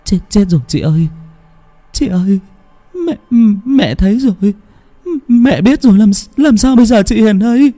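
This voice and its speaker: A man's voice: expressive, moderate pace, warm tone. A man voicing a terrified young woman who stammers and is close to tears. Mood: panicked. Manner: shrill, stammering, near tears. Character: panicked young woman, girl in terror.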